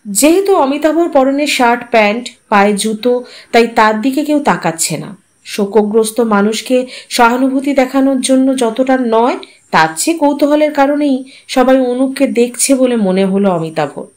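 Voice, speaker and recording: Calm woman reading a story aloud. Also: fairly high pitch, normal speed. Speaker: story narrator and channel host.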